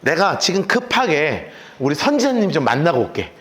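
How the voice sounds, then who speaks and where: A man's voice: a little high, sing-song, normal speed, a bit bright, reverberant. A man playing a desperate mother. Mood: urgent. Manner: pleading, urgent.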